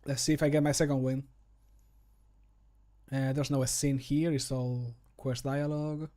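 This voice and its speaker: Muttering into a close desk mic in a room at home, this streamer and amateur voice actor in his thirties chats casually as he works, poking fun at himself. He speaks at a medium pitch, unhurried and mellow, with little pitch movement.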